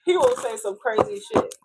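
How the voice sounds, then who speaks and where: A woman's voice: high voice, creaky, very noisy. A woman from Haiti with a Haitian accent, reading tarot live in a casual, chatty way, swearing and laughing as she talks. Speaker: tarot reader.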